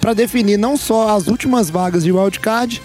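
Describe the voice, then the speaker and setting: Man, brazilian accent, podcast host, high voice, playful, faint music behind. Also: normal speed, darkish tone. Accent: Brazilian Portuguese. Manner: playful, teasing, upbeat. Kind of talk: casual sports podcast chat.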